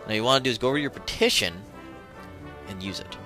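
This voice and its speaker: A man's voice: on the low side, expressive, quick pace. A man giving a casual, irreverent, joking walkthrough commentary as host of a game video. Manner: irreverent, jokey interjections. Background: game music.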